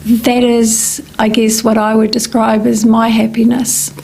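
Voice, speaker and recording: Slow, croaky-voiced middle-aged woman. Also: fairly high pitch, monotone, a little mellow, slight background noise, poor audio. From New Zealand. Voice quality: slightly croaky voice. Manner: slow, meandering, with many ums and restarts. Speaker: life coach and radio presenter. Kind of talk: casual radio talk segment.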